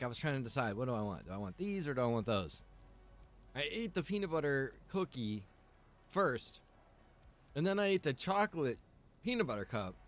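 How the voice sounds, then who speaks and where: A man hosting a livestream, chatting casually to viewers in a rambling, halting way with informal asides. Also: on the high side. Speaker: livestream host. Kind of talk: casual chat to stream viewers.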